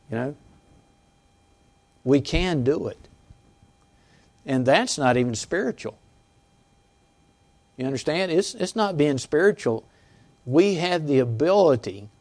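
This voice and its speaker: Halting conversational male pastor preaching. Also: mid-range voice, a little mellow. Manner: conversational, halting with restarts and asides to the congregation; chuckles between points. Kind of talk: sermon. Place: church sanctuary.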